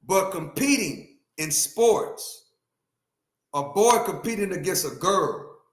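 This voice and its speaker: Here's a high-pitched, expressive male voice moving at a slow pace, with plenty of reverb around it. The speaker, a livestream host in his fifties, delivers an opinionated rant, emphatic and repetitive, aimed right at his viewers' chat.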